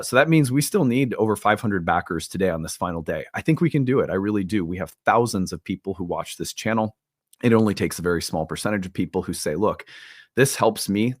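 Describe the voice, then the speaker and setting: A man's voice: low-pitched, no echo, clean studio sound. A man hosting an online talk show, making an earnest, upbeat appeal with some fillers. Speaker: host. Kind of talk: casual talk and fundraising appeal.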